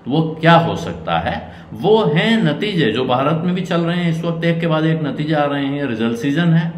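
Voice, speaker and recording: A middle-aged man, a senior journalist, giving measured market commentary to camera from a room at home. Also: lively intonation. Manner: measured explanatory delivery, dropping low at cautions. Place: indoor room with curtains. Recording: roomy echo, faint noise.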